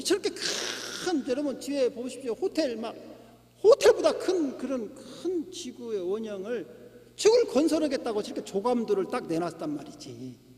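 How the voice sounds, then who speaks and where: A middle-aged man preaching a sermon as a pastor, emphatic, with rhetorical questions and shouts of hallelujah. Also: extremely high pitch. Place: church sanctuary. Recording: long church hall reverb.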